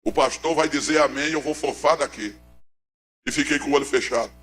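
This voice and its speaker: A man's voice: on the high side, brisk. Intense Pernambucan preacher telling his testimony. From Pernambuco, Brazil. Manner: dramatic, swings from hushed to shouting. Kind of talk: emotional church testimony.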